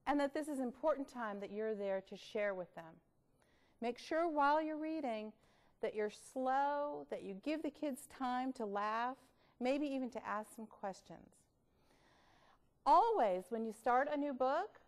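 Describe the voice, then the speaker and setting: Woman giving reading-aloud tips, expressive, highish voice, really sing-song up and down, stresses words. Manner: expressive, deliberate emphasis. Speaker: read-aloud presenter. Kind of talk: instructional talk with storybook reading.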